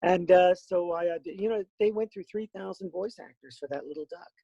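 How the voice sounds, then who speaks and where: Man, middle-aged, raspy, somewhat high voice, rambling podcast guest, dry sound. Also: fairly quick, dry recording, dull audio. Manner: animated, rambling with many fillers. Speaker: voice actor guest. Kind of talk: casual podcast interview.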